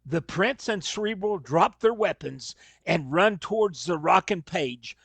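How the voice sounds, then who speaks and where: High, animated man narrating wrestling scenes. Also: unhurried, gravelly, husky, no room sound. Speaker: reader of stage directions.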